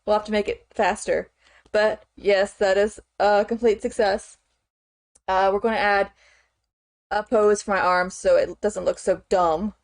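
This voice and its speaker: A woman's voice: mid-range voice, little pitch movement, a little slow, no echo. A woman streamer chatting casually as she works, thinking aloud with frequent fillers and "okay"s. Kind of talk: casual chat while working on screen.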